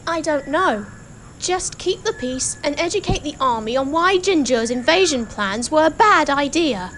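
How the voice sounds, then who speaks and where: A woman's voice: high voice, lively intonation, moderate pace, a bit bright, slight background noise, rough recording. A woman playing a resolute, principled young queen in an audio play, earnest and determined.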